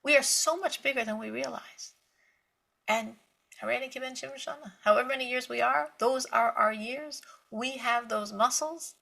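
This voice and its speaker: A woman giving a spiritual Torah lecture, telling stories with lively emphasis, repeating words and laughing lightly between points. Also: on the high side, slow pace, gravelly. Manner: animated storytelling with emphatic repetition. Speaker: Torah teacher.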